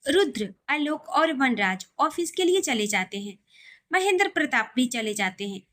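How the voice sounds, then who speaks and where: A woman narrating a romantic family story in an expressive, steady reading. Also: high-pitched, normal speed.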